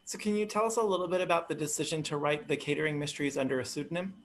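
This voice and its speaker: A man's voice: fairly high pitch, very fast. An American man hosting a casual interview, speaking informally and feeling his way through his questions. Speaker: bookstore event host, interviewer.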